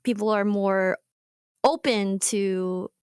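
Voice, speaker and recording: A woman's voice: medium pitch, fairly even intonation, takes it slowly, a little mellow, clean tone, no echo. Agreeable woman guest, dry sound. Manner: agreeable, laughs often. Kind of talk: casual interview chat.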